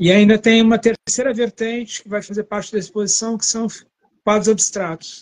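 A man speaks at a moderate pace in a high voice with monotone, flat intonation. The sound is dry and close, without echo. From Porto Alegre, southern Brazil. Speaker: writer and visual artist. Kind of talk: interview.

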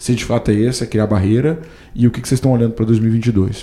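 Somewhat breathy and dark, mellow in tone, a man at a medium pitch speaks at a fairly quick pace. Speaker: podcast host. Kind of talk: casual interview.

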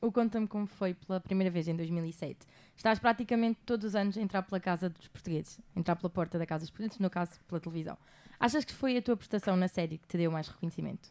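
Recorded very cleanly with a silent background and a dry, close sound with no echo, a woman talks at a very fast pace with ordinary pitch variation. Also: medium pitch for a woman. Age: young. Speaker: podcast host. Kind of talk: casual chat.

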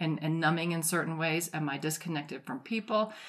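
This woman has a normal speaking voice, fairly low in pitch, and she talks at a fairly quick pace. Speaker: podcast co-host. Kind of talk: casual podcast talk.

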